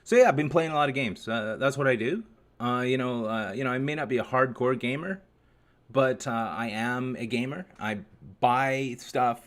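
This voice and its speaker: A man's voice: mid-range voice, moderate pace. Profane, grumbling streamer man. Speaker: livestream host. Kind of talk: rambling live-stream chat to viewers.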